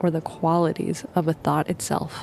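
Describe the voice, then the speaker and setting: A woman's fairly low voice in a calm, relaxed tone at a fairly slow pace, with music in the background. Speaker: guided meditation teacher. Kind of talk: guided meditation for sleep. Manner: calm, relaxed, gentle.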